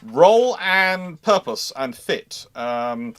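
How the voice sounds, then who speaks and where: A man's voice: a little high, very animated, takes it slowly, fairly bright tone. A man hosting a casual live question-and-answer discussion, explaining things with playful asides. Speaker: host answering viewer questions.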